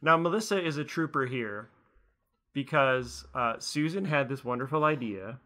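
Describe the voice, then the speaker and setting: A man's voice: mid-range voice, moderate pace, sharp tone. A man giving casual, enthusiastic commentary as a show's creator.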